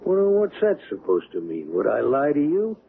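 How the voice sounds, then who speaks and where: A dismissive, stubborn man with a brusque, colloquial way of talking. His gravelly voice moves around in pitch, heard on a narrow 1970s radio drama recording. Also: huge pitch swings, normal speed, heavily acted. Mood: scornful, defensive. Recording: tinny, noisy old radio drama recording.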